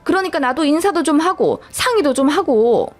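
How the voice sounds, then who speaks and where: A woman's voice: sits high, expressive, moderate pace, voice pushed up. Woman doing a meddling, greedy mother-in-law. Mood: self-justifying. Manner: prying, self-justifying, insinuating.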